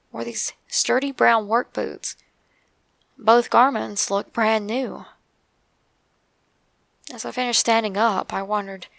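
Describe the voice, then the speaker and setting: A woman with an Appalachian accent narrates a scary first-person tale. Her mid-pitched voice is thick with gravelly creak. She tells it in a measured way with dramatic pauses, recorded very dry. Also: a bit bright, dry recording. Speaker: narrator of true scary stories.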